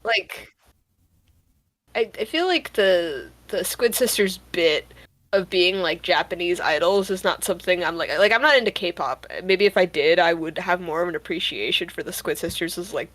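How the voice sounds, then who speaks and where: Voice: medium pitch, moderate pace, fairly bright tone, no echo. Wry, rambling co-host. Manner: rambling, wry, lots of filler words. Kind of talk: casual chat.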